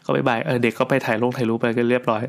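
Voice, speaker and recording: A man's voice: medium pitch, level tone, rapid-fire, vocal fry. A middle-aged man casually telling a long personal story in a chatty, rambling way, with restarts and crude asides.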